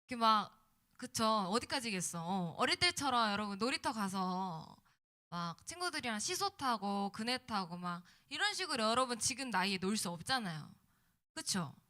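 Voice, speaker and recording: Woman, youth pastor, sermon, animated intonation, bright forceful tone, slightly slurred speech after wisdom teeth removal. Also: on the high side, normal speed. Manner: conversational, checking in with young listeners. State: mouth swollen after wisdom tooth removal. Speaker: youth pastor preaching to middle schoolers.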